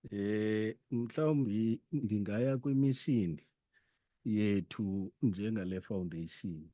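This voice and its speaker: A man's voice: fairly low pitch, slow pace, dark tone, no echo. A man with a South African Xhosa accent, explaining as a foundation chief in a radio interview, switching between two languages.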